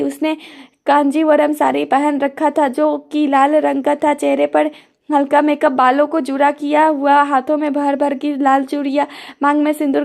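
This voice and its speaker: High, gravelly-voiced woman narrating a story. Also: a little mellow. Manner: reads all characters in a near-plain voice.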